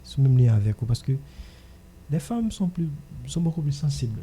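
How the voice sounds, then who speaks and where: A man's voice: medium pitch, big pitch swings, moderate pace, dark tone, husky, soft background music. A man with a Haitian accent talking casually as host of a radio discussion.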